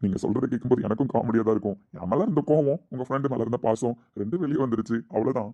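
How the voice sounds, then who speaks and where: A man's voice: medium pitch, very fast, mellow, lo-fi sound. A man speaking dramatic dialogue in an earnest, tender way. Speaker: actor in a family drama.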